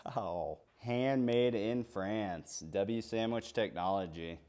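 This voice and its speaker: A young man with a fairly low voice presents products in a casual unboxing style. He talks informally to his viewers and sounds enthusiastic about the gear. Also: slow, darkish tone.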